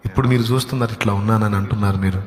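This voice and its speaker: A man preaching a sermon, acting out scolding relatives in a dramatic voice that swings between loud anger and soft replies. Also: lowish voice, fairly even intonation, very fast, breathy edge.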